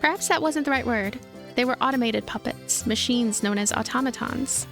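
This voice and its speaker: High-voiced woman over music. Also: moderate pace. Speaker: let's play streamer. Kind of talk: storybook-like narration of a visual novel with casual asides.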